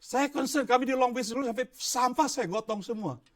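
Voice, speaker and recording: A man's voice: very high-pitched, fairly quick. An older man preaching a sermon as pastor in a church, quizzing his congregation and slipping English phrases into his talk.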